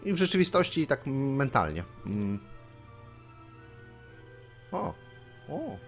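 Lively-voiced man narrating his gameplay. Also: mid-range voice, slow pace, vocal fry, faint music behind. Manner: chatty, swears casually, reads game story aloud. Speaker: let's play host. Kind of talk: casual gameplay commentary.

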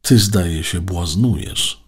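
A man's voice: very deep voice, big pitch swings, measured pace, gravelly, husky, exaggerated voice. Robik, a man doing a modest caretaker robot. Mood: gentle. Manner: polite, conscientious.

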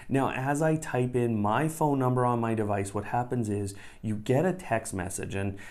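A man's voice: mid-range voice, moderate pace, a little mellow. A man, hosting a conversational step-by-step tech tutorial and rephrasing his instructions as he goes. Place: small indoor room at a desk.

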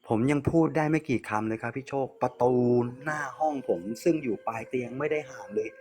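A man's voice: medium pitch, a little fast, crowd noise. A man calling in to tell a ghost story in casual, conversational Thai, often addressing the host as he goes. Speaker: caller telling a ghost story. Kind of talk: casual spoken storytelling to a radio-style host.

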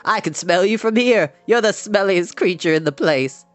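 Brief: taunting young storybook lamb acted by a narrator, pitched up, snide and blunt. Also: expressive, moderate pace, soft background music, close to an everyday voice. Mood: scornful. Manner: snide, scornful.

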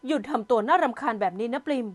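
A woman's voice: high voice, fast talker, no room sound. A woman voicing a stern, cold young man in an audio novel who speaks in clipped, curt orders.

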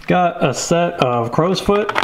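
Relaxed rambling guy, noisy recording. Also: sits high, slow pace. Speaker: vlogger showing a tool haul. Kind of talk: casual show-and-tell chat.

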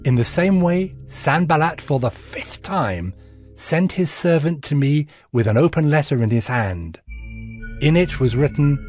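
A man playing a righteous governor narrating his deeds in a dramatized scripture reading, measured and earnest. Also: on the high side, animated, a little mellow. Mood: earnest, resolute. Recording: music bed behind the voice.

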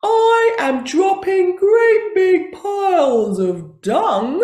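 Woman doing a lumbering, apologetic water buffalo, slow and lively, echoey. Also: lowish voice, voice pushed down. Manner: slow and drawn-out. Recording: roomy echo, away from the mic.

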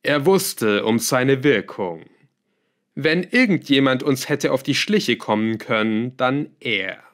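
A man voicing a scheming male villain in an audiobook, calm, smug and lightly scornful. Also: medium pitch, slow. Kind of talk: audiobook character voice.

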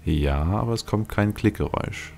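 A man's voice: lowish voice, animated, moderate pace, creaky, background noise. A man giving casual gameplay commentary, musing aloud to himself as he plays. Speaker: let's play host.

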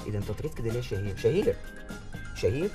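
An actor plays an easygoing man caught up in a comic scheme in an Egyptian film. He speaks very fast, and his voice rises and falls a lot. Film music plays in the background. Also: mid-range voice, big pitch swings, natural voice.

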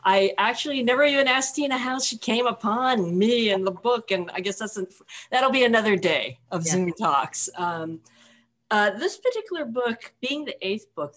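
An older woman from the San Francisco Bay Area, an author talking over a video call in a relaxed, reflective way with many pauses. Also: mid-range voice. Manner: relaxed, reflective, light laughs, many ums. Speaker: author guest. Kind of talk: conversational interview answers. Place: home room with block wall. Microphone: video call webcam.

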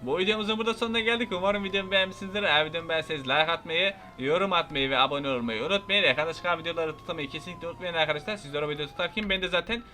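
A young man commentating his own gameplay, excitable and full of exclamations as he talks to himself and his viewers. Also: a little high, very fast, few pauses. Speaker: gaming YouTuber.

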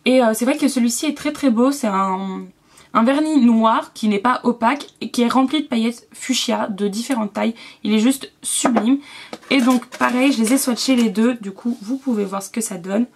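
A young woman chatting casually through a beauty haul, with lots of fillers and quick asides. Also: fairly high pitch, a little hiss or hum. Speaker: beauty vlogger.

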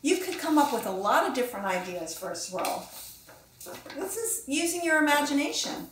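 A middle-aged woman with a high-pitched, very animated voice speaks at a moderate pace as she gives children a drawing lesson in her role as a children's author and illustrator. She's casual and encouraging, musing aloud and asking questions. Background noise is present, and the small indoor room sounds echoey.

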